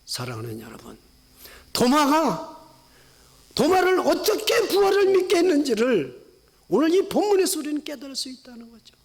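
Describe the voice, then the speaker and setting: A middle-aged male pastor preaching an impassioned sermon, swinging from hushed tones to shouts. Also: extremely high pitch, wildly swooping pitch, normal speed, gravelly.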